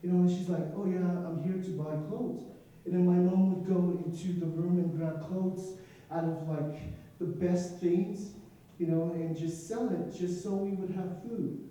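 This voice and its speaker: A young Nigerian man with a Nigerian accent, a student, shares a personal story with an audience in an earnest, emotional way, adding asides as he goes. His voice is high and dark-toned, with fairly even intonation and an unhurried pace. He sounds distant from the mic in an echoey room.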